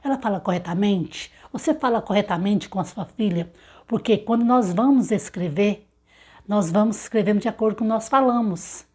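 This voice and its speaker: A woman, a literacy teacher explaining the steps to parents, asking herself rhetorical questions and slowly sounding out syllables and example words. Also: medium pitch, dark tone, slightly rough. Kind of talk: instructional talk to parents.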